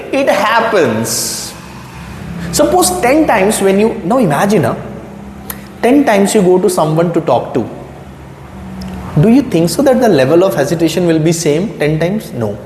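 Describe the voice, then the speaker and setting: A man teaching English as his second language in a gentle, reassuring tone. He repeats phrases and asks questions back to the listener. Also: sits high, a little hiss or hum. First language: not English. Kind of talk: motivational spoken lesson to camera. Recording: echoey room with long reverb.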